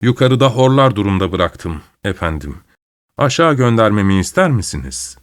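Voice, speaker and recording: A man voicing a calm, cold manservant who patiently explains things. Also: on the low side, normal speed, no echo, clean studio sound. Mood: cool. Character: cool, superior manservant who is secretly a good angel.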